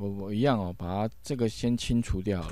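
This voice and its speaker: A man's fairly low voice with a dark, mellow tone, fairly even intonation and a fairly slow pace. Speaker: programming teacher. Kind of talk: lecture. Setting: remote online class. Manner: filler-heavy, with frequent 哈/哦 particles.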